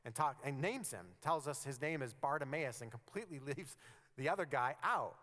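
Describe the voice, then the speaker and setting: A man preaching a sermon as pastor, conversational and animated, sometimes dropping to a near-whisper for emphasis. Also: fairly high pitch, normal speed. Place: church sanctuary. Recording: long reverb of a church hall.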